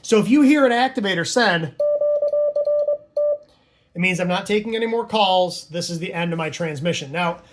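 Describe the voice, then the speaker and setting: Higher-pitched man giving an informal tutorial. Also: normal speed, long pauses. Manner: casual, conversational asides. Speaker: amateur radio instructor and operator.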